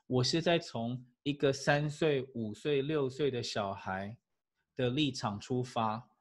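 Speaking slowly at a medium pitch, a man teaching English delivers a lively lecture, chuckling and posing rhetorical questions to the class.

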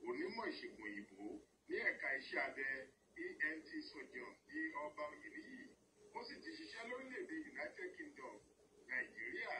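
Distant TV newsreader, bright and lively. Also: male voice, high-pitched. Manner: formal, measured announcing. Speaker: news reader. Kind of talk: Yoruba television news reading. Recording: TV news played from a distance, faint noise.

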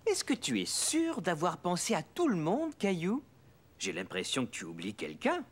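An actor playing a patient, playful father in a children's cartoon dub, gently explaining things to a child. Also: high voice, huge pitch swings, moderate pace, slightly rough, exaggerated voice. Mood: playful, helpful.

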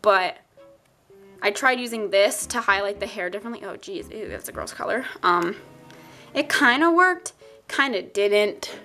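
An art YouTuber in her young adult years gives a chatty sketchbook tour through a stuffy nose, full of rambling asides and self-deprecating humor. Her mid-range, expressive voice has a sharp tone and a measured pace, and faint music sits in the background.

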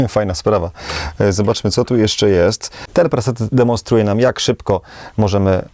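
A man's voice: fairly low pitch, normal speed, a little mellow. A man giving casual demo commentary as he reviews an instrument.

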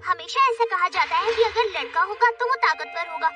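Cartoon robot cat companion: tiny very high voice, caring but admonishing, loud music behind. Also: female voice, fairly quick, lo-fi sound. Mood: concerned. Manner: cute, exclaiming, admonishing. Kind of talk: animated cartoon dub. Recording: distant sound under loud music. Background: loud jingly children's cartoon music.

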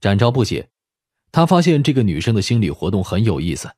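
A man's voice: fairly low pitch, very animated, a little fast, warm tone, slightly rough, no echo, clean studio sound. A man narrating a scripted audiobook story as its narrator.

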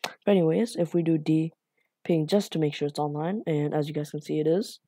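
Low, dark-voiced woman teaching code. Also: fairly even intonation, fairly quick, slightly rough. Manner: rambling, self-deprecating, lots of fillers and apologies. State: a bit raspy from being up late. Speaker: coding tutorial host. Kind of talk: casual screen-recorded coding tutorial.

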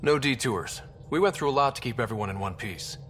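A man's voice: mid-range voice, lively intonation, fairly quick, fairly bright tone, faint music behind, close to an everyday voice. A man playing a resolute young space expedition leader in a video game, with a direct, curt manner. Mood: calm. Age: young adult. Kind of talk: video game dialogue acting.

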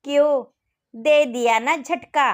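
A bold, cheeky college girl, as a woman reads her sits high in pitch. Her lines come out slow and breezy, playful rather than rushed. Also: steady tone.

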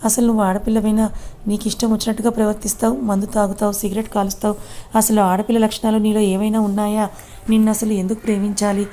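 A woman's voice: mid-range voice, level tone, fast, warm tone, slight background noise, natural voice. A woman voicing a hot-tempered, troubled young man, scolding bluntly in a read-aloud story. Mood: angry.

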